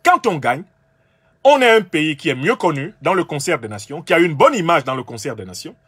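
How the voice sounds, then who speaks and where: Cameroonian guy lecturing, high lively voice, kinda husky, pushing his point hard. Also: a little fast, dry recording. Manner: emphatic, argumentative, addresses listeners directly. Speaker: political commentator. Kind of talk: lecture-style monologue.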